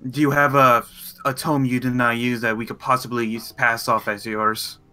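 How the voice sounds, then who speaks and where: A man's voice: mid-range voice, flat delivery, moderate pace, bright, forceful tone. A man playing a tabletop roleplay game, speaking in character and describing his actions. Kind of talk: in-character roleplay and casual chat.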